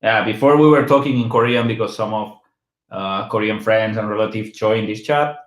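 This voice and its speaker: A man's voice: fairly low pitch, fairly even intonation, normal speed, roomy sound. A man from Catalonia in Spain, a native Catalan and Spanish speaker, co-hosting a casual travel livestream in a chatty, teasing way.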